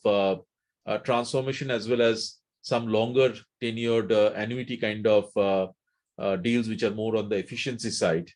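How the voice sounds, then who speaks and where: Middle aged guy, company exec on an earnings call, average pitch, explains stuff carefully. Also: darkish tone. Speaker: company executive answering analysts.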